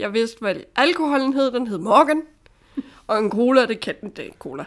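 A woman speaks at a moderate pace with a high pitch and lively intonation. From Southern Jutland, Denmark (Sønderborg area). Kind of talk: casual chat.

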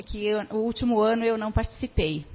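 The woman's pitch is fairly high, and her speech goes at a fairly slow pace. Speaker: event organizer and host. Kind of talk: welcome and prayer. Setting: live in-person event with online audience.

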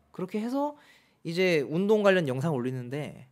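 A man at a moderate pace, lively in intonation, on a very clean recording with a silent background. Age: 30s. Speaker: fitness YouTuber. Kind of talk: casual chat.

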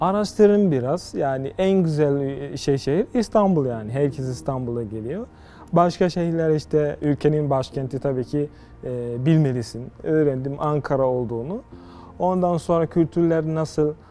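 At a fairly slow pace, a man with an East African accent speaks with a fairly high pitch and ordinary pitch variation. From Tanzania. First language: Swahili (speaking Turkish). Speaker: graduate student. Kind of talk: interview. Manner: halting.

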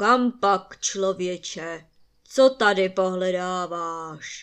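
It's a booming, put-on character voice at middle pitch. The background is quiet.

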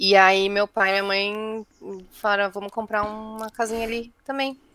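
This woman talks at a moderate pace in a bright, sharp tone. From Santa Catarina, Brazil. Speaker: author. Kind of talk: casual interview chat.

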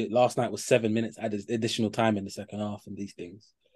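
A man talks in a London accent. The background is quiet. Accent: London multicultural English. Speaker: podcast host. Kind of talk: casual banter.

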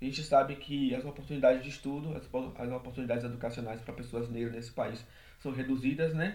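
In a room with audible echo and noticeable background noise, a man at medium pitch talks with fairly even intonation and big swings in loudness. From Recôncavo, Bahia, Brazil. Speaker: medical student and activist. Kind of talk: interview. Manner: halting, many fillers.

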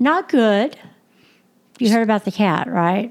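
In a very clean recording with a silent background, a woman speaks at a fairly high pitch. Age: 60s. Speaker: podcast co-host. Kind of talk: casual chat. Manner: animated.

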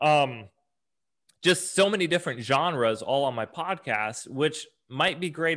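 A man with a General American accent, bright and sharp in tone, with lively intonation at a moderate pace against a quiet background. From USA, military family moving often. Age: 20s. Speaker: travel podcaster and content creator. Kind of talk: casual interview chat. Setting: video call.

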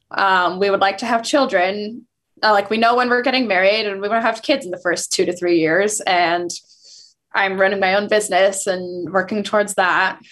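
A woman speaks in an American accent with an unremarkable speaking voice at medium pitch. Her pace is moderate and her pitch variation ordinary. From Iowa. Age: 20s. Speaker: photographer. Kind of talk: casual chat.

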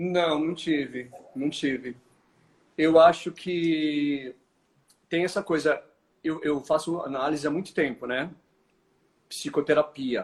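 At a very slow pace, a man speaks with long, frequent pauses. His pitch is fairly high and his intonation fairly even. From Bahia, Brazil (Salvador). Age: 50s. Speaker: musician and marketing executive. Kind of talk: interview conversation.

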